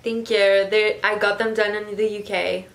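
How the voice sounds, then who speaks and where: A woman in her twenties from Canada, chatting casually with strangers on video calls and teasing them with deadpan jokes. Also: mid-range voice, moderate pace, echoey room. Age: 20s. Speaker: host. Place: bedroom.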